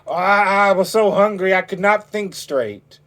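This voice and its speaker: A man's voice: high voice, unhurried, fairly bright tone, voice pushed up. A man voicing a hungry, somewhat bad wolf in a children's story, blustering and emphatic. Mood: embarrassed.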